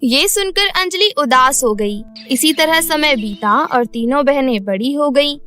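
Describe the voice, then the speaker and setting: A woman's voice: high voice, lively intonation, a little slow, sharp tone, faint music behind. A woman narrating a scripted bedtime cartoon story as its storyteller.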